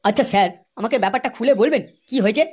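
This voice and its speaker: A man voicing an indignant, flustered father in a comedy cartoon, protesting in a pitched-up voice. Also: very fast, breathy edge. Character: indignant father defending his rascal son in comedy cartoon.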